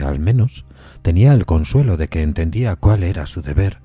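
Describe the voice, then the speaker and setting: Low, very dark-voiced male storyteller. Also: husky. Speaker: narrator. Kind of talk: literary suspense story narration.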